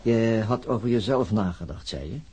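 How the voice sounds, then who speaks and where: Radio drama: brusque male detective, mellow-dark tone, extremely raspy, weary, clipped and sardonic. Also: fairly low pitch, normal speed. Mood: probing. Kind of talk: naturalistic radio drama acting.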